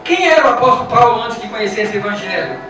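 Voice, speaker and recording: This Brazilian pastor's high, animated voice moves at a quick pace as he preaches with a Brazilian Portuguese accent, repeating himself emphatically and posing rhetorical questions to his flock. A distant mic picks him up in an echoey church with music.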